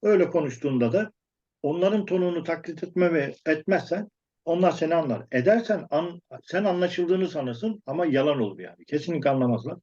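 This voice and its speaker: A man's voice: fairly high pitch, expressive, fairly quick, darkish tone. Blunt, emphatic man, dull lo-fi sound. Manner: blunt, emphatic, restarts words often. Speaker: English teacher giving advice. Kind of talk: casual discussion.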